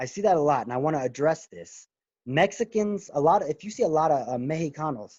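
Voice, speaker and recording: A man with a Puerto Rican accent speaks at a very fast pace and a fairly high pitch, with lively intonation and big swings in loudness. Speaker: former prisoner. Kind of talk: podcast interview. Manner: animated.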